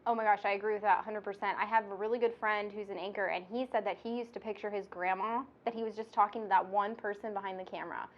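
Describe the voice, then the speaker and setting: A bubbly, chatty woman with a nasal voice hosts a podcast and instructs in an easygoing chat, laughing often. Her medium-pitched voice keeps fairly even intonation at a quick pace with hardly any pauses, and the audio is dull.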